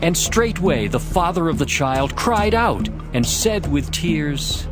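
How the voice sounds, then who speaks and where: A man narrating scripture as a dramatized story, in a measured and expressive storytelling manner. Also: on the high side. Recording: music behind the voice. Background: music.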